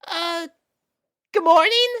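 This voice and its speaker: A woman voicing a young, nervous, flustered filly with a meek, hesitant manner and a squeaky child's voice. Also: slow pace, a bit bright, heavily acted.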